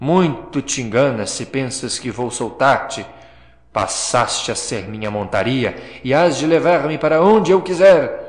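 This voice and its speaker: A man's shrill, put-on character voice, fairly high in pitch, with lively intonation, a fairly slow pace and a slight echo. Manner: menacing, gloating.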